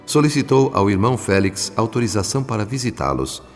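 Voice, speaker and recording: A Brazilian actor playing a solemn spirit narrator in a radio drama, telling the tale in measured, literary diction. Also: male voice, fairly low pitch, big pitch swings. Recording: long reverb, music underneath.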